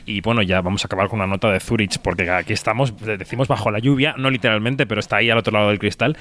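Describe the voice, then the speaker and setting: Male interviewer, fast, low-pitched, articulate. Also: fairly even intonation, fairly bright tone. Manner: long, fluent, well-formed questions. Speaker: film interviewer. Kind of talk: interview questions.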